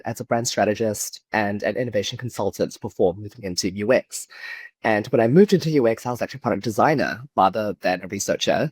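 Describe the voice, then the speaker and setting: A man with a New Zealand accent, a podcast guest calmly explaining his views as a UX researcher. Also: lowish voice, husky, dry recording. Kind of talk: podcast interview.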